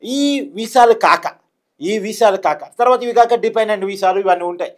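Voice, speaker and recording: A man's voice: high-pitched, normal speed. A man giving explanatory political commentary as a guest analyst, emphatic and given to repeating his phrases.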